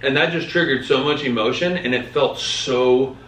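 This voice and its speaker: A man in his thirties co-hosting a podcast, telling a story in a lively, casual way. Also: mid-range voice, moderate pace, a little hiss or hum. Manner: animated, acts out quoted voices. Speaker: podcast co-host. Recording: echoey room, mic at a distance.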